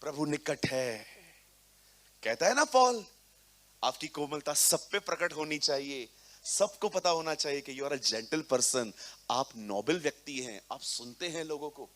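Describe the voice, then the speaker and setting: Animated male preacher, higher voice. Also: unhurried. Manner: animated, mixes English words into Hindi, acts out scenes. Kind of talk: sermon. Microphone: handheld microphone.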